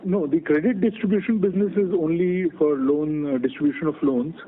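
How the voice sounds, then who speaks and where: A man's voice: fairly high pitch, a little fast. A male company executive explaining figures on an earnings call in a matter-of-fact but hesitant way. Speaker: company executive answering questions. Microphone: conference phone call. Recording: narrow phone line with clear noise.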